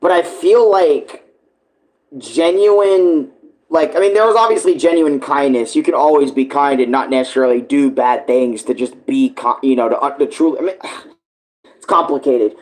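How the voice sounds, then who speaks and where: A man's voice: mid-range voice, moderate pace, darkish tone, low-quality recording. A man giving casual live reaction commentary, rambling bluntly and informally with heavy swearing. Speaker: reaction streamer.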